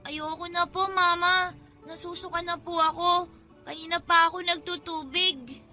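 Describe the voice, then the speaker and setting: A woman's voice: very high voice, steady tone, moderate pace, sharp tone, soft background music, exaggerated voice. A woman playing an innocent, hungry young schoolgirl in a Filipino radio drama, speaking politely and full of childlike questions. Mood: hungry, plaintive. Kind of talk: Tagalog radio drama acting.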